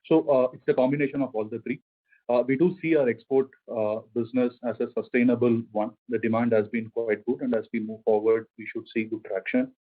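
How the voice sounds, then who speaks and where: A man speaking as a company finance executive, giving measured corporate answers to analysts on an earnings conference call. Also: mid-range voice, steady tone. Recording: phone-like conference call line.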